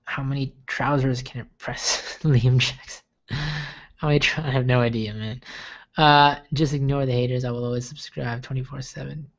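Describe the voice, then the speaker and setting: A man's voice: medium pitch, steady tone, moderate pace, creaky, highs cut off. A young man from the States hosting a casual livestream Q&A, chatty and rambling with lots of fillers and restarts. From United States. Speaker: livestream host answering viewer questions.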